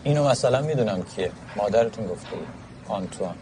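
An actor playing a man who needles a grieving woman in film dialogue, flat and then defensive. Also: on the low side, close to an everyday voice. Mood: needling. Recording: film audio with clear outdoor noise.

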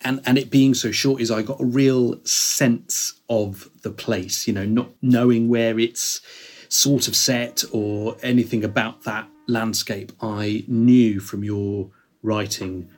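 A man hosting an interview from his flat, chatty and enthusiastic, often laughing. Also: medium pitch, slow pace. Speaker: host. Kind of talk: casual interview chat. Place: flat in London.

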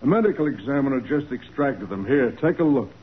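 A man's voice: medium pitch, animated, brisk, a little hiss or hum, natural voice. An actor playing a blunt, harried male police detective in a 1940s radio drama. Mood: grim, urgent. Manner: blunt, colloquial. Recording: muffled, narrow-band old radio recording.

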